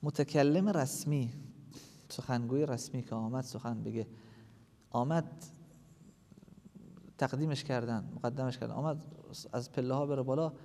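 A male cleric preaching a storytelling sermon, moving from quiet narration to loud, emphatic exhortation. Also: mid-range voice, long pauses. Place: large religious hall. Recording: long hall reverb.

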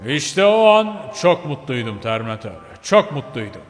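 A man's voice: fairly high pitch, big pitch swings, moderate pace, in a large hall, faint music behind. A man voicing a white pitbull dog who tells his story with regret, as game role-play narration. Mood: rueful.

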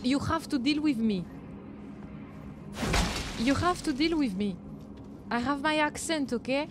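This young French woman, a VTuber streamer, chats playfully with viewers at a measured pace while playing a game, with background noise behind her. She giggles often, and her voice swings high whenever she protests.

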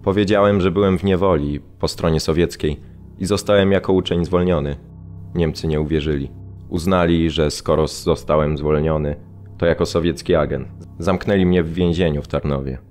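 A man's voice: rumbling low, fairly even intonation, moderate pace, darkish tone. An actor playing a former student held as a political prisoner, recounting his arrest in a dramatized audio testimony. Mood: sombre recounting. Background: music.

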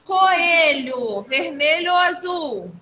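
A woman teaching young children in an online phonics lesson, slow and patient, repeating each answer back. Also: very high voice, lively intonation, bright, forceful tone, poor audio. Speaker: primary school teacher. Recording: clear background noise.

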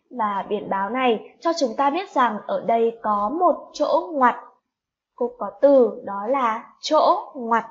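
A woman's voice: a little high, a little hiss or hum. A woman primary school teacher, leading a spelling lesson for young children, stretching out each sound and asking the class coaxing questions. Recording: slightly dull lo-fi recording.

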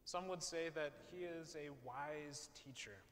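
A male pastor, preaching from a pulpit in a large church, measured and posing rhetorical questions. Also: on the high side, fairly bright tone. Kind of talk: sermon. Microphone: far camera, pulpit mic. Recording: long church reverb, faint hiss.

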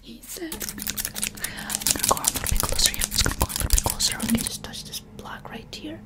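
A woman's voice: high-pitched, a little fast. A woman in her twenties whispering a chatty, playful ASMR roleplay up close to the microphone. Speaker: ASMR video creator.

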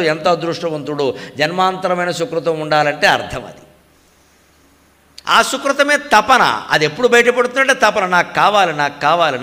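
An older man with a Telugu accent gives a devotional discourse. His voice sits high and bright, and he slips into slow, sing-song Sanskrit chanting. A long reverb trails behind him, as in a large hall. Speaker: spiritual speaker.

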